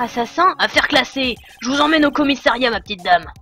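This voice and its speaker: A woman's put-on character voice, high-pitched and strained, at a very fast pace. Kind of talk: gruff, condescending police talk.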